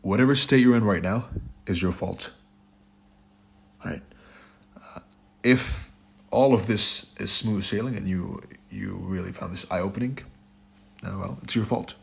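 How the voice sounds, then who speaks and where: A very deep-voiced man gives a blunt trading lecture over slides, and his voice has gone raspy and hoarse from a sore throat. He keeps driving his points home with short repeated phrases and a habitual "right?". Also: a little slow, long pauses. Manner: blunt, repeats "right?" and "it's your fault". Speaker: trading instructor.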